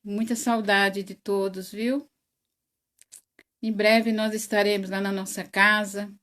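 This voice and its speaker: With a mid-range voice, level tone, and slow pace, a Brazilian Portuguese-accented woman hosts an online spiritist study livestream. She chats casually, laughs often, and greets each viewer by name, noting that her voice is very loud.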